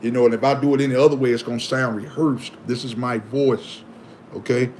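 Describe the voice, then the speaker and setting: A man hosting a live stream, chatting casually and preaching, animated and given to repeating himself. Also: medium pitch, fairly quick, slight background noise. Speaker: livestream host.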